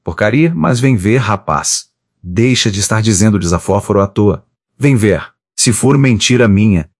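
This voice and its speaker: A man voicing a defiant, sharp-tongued young woman in an audiobook. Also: lowish voice, expressive, moderate pace, no echo, studio quality. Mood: insistent. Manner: insistent, challenging.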